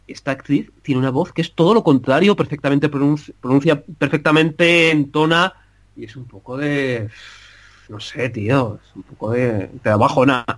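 A man hosting a podcast, talking in a relaxed, slangy way. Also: mid-range voice, normal speed. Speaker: podcast host. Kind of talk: casual podcast chat.

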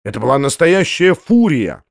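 A man reading a classic novel aloud in measured literary narration. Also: medium pitch, very animated, vocal fry, dry recording, clean studio sound. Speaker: audiobook narrator.

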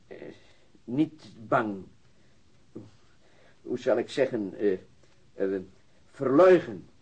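An actor playing an immigrant truck driver who speaks halting, broken Dutch as a non-native, searching for words. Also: male voice, medium pitch, animated, a little mellow, breathy edge, full character voice. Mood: hesitant. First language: not Dutch. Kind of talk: radio drama acting. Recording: dull, band-limited radio recording.

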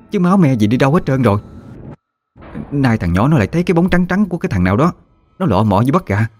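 A man's voice: medium pitch, a little mellow, no room sound, pitched above the performer's own voice. A man voicing a frantic middle-aged village woman, shrieking and complaining.

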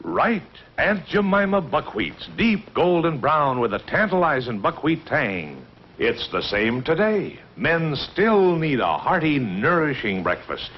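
A man delivering a 1940s radio advertising pitch as a commercial announcer, on an old recording. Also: sing-song, unhurried, highs cut off, a little hiss or hum.

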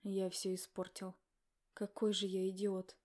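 A guilty husband pleads and insists, as a woman reading an audiobook puts him on. His voice sits low and flat, with a mellow, dark tone. His words press on in a steady run. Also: a little slow, close to an everyday voice. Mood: pleading. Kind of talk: audiobook character voice.

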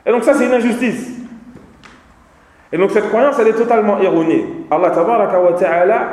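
A man's voice: sits high, fairly quick, a little mellow. A man teaching an Islamic seminar, speaking emphatically and repeating key phrases for his students. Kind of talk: seminar lecture. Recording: echoey hall.

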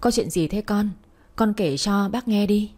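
A woman's voice: mid-range voice, unhurried, a little mellow, slightly rough. A woman voicing a kind older woman, a future mother-in-law who comforts the girl and bosses her son, in a storybook reading. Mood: soothing. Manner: soothing and motherly. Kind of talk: storybook narration.

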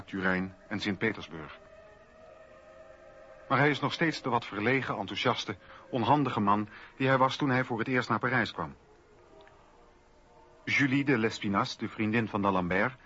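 Male radio doc narrator, lowish forceful voice, scripted, slightly lo-fi. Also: husky. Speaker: documentary narrator.

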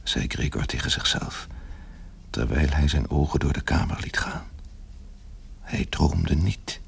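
A man narrating a literary radio play in a measured, grave manner with a gravelly, husky voice. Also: very deep voice, in a whisper.

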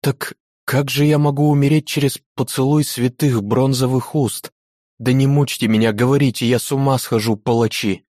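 A man's voice: mid-range voice, fairly even intonation, normal speed, darkish tone, dry recording, studio quality, pitched above the performer's own voice, close to an everyday voice. A man voicing a young nobleman condemned to death, frantic and pleading. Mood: terrified. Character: young desperate nobleman facing execution.

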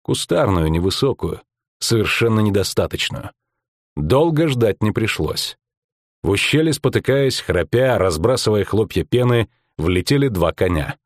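A man reading an audiobook with measured, dramatic narration. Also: lowish voice, very animated, no echo, studio quality. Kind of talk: scripted narration.

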